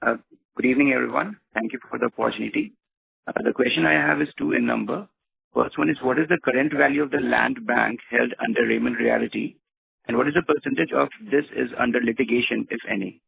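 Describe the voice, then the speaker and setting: A man's voice: medium pitch, steady tone, quick pace, gravelly. An Indian-accented male analyst calling in on a phone line with polite, formal questions. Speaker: caller, investment analyst. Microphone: phone call. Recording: noisy tinny phone line with clicks.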